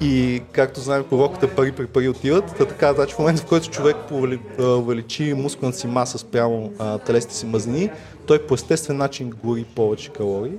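Music plays in the background as a man talks at a fairly quick pace, his medium pitch showing ordinary variation. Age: 30s. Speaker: fitness and nutrition enthusiast. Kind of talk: podcast interview. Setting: recorded in a bar with background music.

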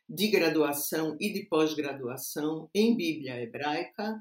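A woman's very slow speech with lively intonation. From Brazil, Recife (Pernambuco). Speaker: biblical archaeologist and professor. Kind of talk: podcast interview.

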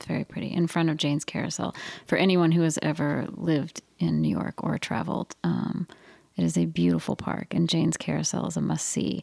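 This woman speaks at a fairly quick pace. The sound is dry and close, with no echo. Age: 20s. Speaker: guest interviewer. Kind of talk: casual interview. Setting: video call.

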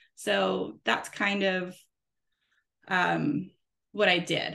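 A woman with an American accent speaks in a bright, sharp tone over a quiet background. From New Orleans, US South. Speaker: software engineer and puppeteer. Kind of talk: casual interview.

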